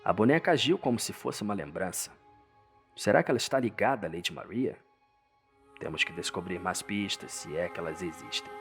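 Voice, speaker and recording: Male, Brazilian accent, low voice, dramatic story narration, suspenseful delivery, music behind. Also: lively intonation, a little fast. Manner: suspenseful, theatrical. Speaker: narrator, host.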